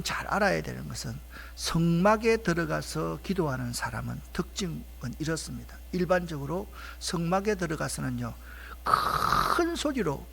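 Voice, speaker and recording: A man preaching a passionate sermon as pastor, dropping to hushed whispers and rising to loud, pleading cries. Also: a little high, creaky, husky. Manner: impassioned preaching that swings from hushed whispers to loud shouted pleas.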